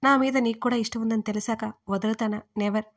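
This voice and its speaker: Bossy, possessive young man, teasing and fast, as a woman storyteller puts him on, fairly high voice. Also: steady tone, close to an everyday voice. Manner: teasing, then threatening.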